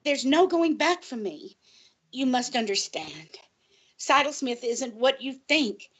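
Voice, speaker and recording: An actress playing a distraught, paranoid college librarian in an audio drama, earnest and insistent, halting and pleading in her delivery. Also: high voice, animated, husky, highs cut off, heavily acted. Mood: urgent, pleading. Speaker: guest on a college radio show.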